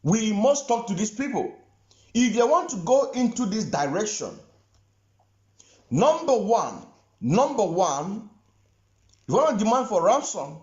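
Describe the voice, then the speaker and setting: A man addresses his livestream audience in a high, animated voice, repeating himself insistently. The room rings around him. The audio is muffled and lo-fi. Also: reverberant. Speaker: activist livestreamer. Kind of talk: livestream commentary.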